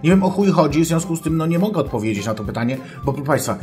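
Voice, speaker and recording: A man's voice: fairly high pitch, animated, racing, a little mellow, soft background music, lightly acted. A man playing pompous sex doctor Anna Torpeda. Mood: lecturing. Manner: mock-scholarly lecturing, keeps addressing the audience formally, swears. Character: pompous self-styled female sex therapist, crude. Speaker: advice-show host. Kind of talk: comic character monologue.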